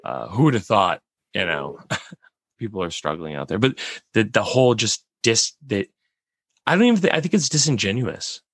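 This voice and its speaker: A man with a raspy voice, hosting a casual podcast chat and rambling with many restarts. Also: lowish voice, very animated, moderate pace, dry recording.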